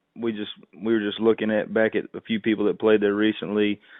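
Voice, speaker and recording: Very fast and with a strong Texan accent, a man speaks at a fairly low pitch in a monotone, flat intonation. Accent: Texas accent, strong. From Texas. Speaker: country musician. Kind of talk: interview. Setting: phone call. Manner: halting, many fillers.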